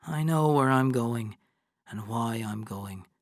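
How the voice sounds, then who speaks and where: A gentle old man speaks low and soft, his words sinking almost to a whisper, as a woman reads him aloud. He sounds resigned and calm, with the dry, close sound of an audiobook. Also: takes it slowly, dry recording. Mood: tender. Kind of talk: audiobook character reading.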